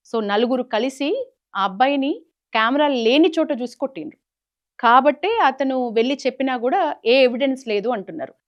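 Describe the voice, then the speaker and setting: A woman's voice: on the high side, lo-fi sound. A woman with a Telangana Telugu accent hosting and commenting on news in an earnest, explanatory manner, mixing in English words. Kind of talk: phone interview and spoken news commentary.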